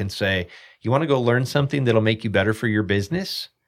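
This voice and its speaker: A man speaks with a Minnesotan accent at a fairly low pitch, with ordinary pitch variation. The recording is very clean, with a silent background. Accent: Minnesota. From US Midwest. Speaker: pool service business owner. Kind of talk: casual podcast interview. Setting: studio.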